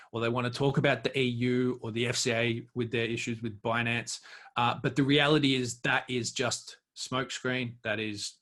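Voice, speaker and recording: A man giving off-the-cuff expert commentary as an interview guest, haltingly searching for words as he goes. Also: medium pitch, a bit bright.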